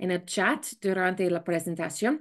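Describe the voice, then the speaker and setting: A fairly slow delivery with an English accent over a quiet background. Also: woman. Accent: non-native Spanish, English-accented. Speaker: training academy director and moderator. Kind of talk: online workshop moderation. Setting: video call. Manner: halting, many fillers. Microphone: video call.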